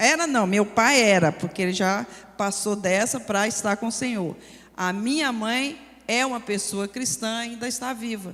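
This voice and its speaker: At a fairly slow pace, a woman with an ordinary speaking voice talks at a fairly high pitch with ordinary pitch variation. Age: 60s. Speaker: missionary preacher. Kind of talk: sermon with personal testimony.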